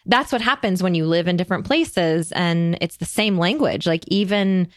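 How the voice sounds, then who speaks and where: A woman's voice: lowish voice, normal speed, dry recording, studio quality. A woman hosting a podcast, chatting in a bubbly way with lots of fillers. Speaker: podcast host. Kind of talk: casual conversation.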